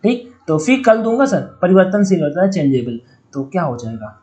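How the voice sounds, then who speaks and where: A man's voice: sits high, very animated, moderate pace, darkish tone, rough recording. A man giving a casual online vocabulary lesson for exam students. He explains words with joking memory tricks and talks to viewers like a friendly older brother.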